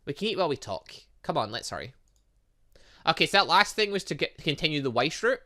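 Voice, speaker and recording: Bright lively guy reading a visual novel out loud, chatty gamer commentary, trips on words now and then. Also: a little high, fast. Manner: stumbles over long words, chatty asides. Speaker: gaming channel host. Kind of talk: let's play, reading game dialogue aloud with commentary.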